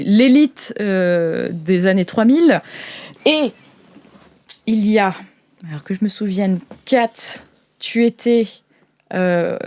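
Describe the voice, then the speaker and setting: A woman hosting an improvised tabletop game, narrating in an informal, halting, giggly way. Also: mid-range voice, darkish tone. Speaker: game master, show host.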